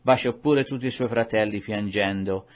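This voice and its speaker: A man reading scripture aloud in a measured, solemn way. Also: lowish voice, highs cut off. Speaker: Bible reader.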